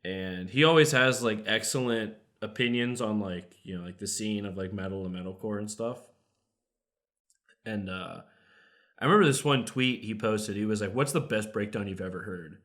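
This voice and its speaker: Chill young dude on a podcast, kinda low voice, says dude and swears a bunch. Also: male voice, normal speed, fairly bright tone. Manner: laid-back, swears casually, calls others dude. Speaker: podcast co-host. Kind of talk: casual chat.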